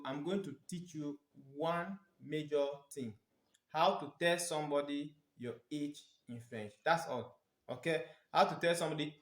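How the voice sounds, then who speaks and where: Echoey Nigerian man teaching step by step. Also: a little high. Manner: didactic, emphatic, repeats phrases slowly for pronunciation. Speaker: French teacher. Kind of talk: instructional language lesson, step by step. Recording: echoey, reverberant room.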